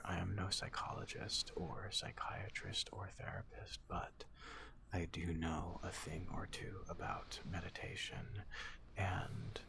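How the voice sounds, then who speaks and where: A man voicing a gentle, caring robot doctor in a slow, reassuring ASMR roleplay, with a breathy whisper. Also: low voice, heavily acted. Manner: slow, soothing, reassuring, polite. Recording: noticeable background noise.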